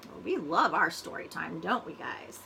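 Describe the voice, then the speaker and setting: A woman librarian reading a children's storybook aloud, with expressive, deliberate phrasing for young listeners. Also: on the low side, gravelly, noisy background.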